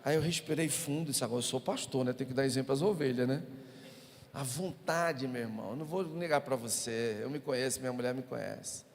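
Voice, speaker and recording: A male pastor speaking with a Brazilian Portuguese accent gives a brisk sermon at medium pitch, sprinkling in humorous stories for the congregation. The church hall where he's recorded is reverberant.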